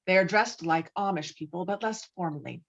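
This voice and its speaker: A woman's voice: lowish voice, fairly quick. A woman reading stage directions as narrator of a screenplay table read, on slightly muffled online call audio.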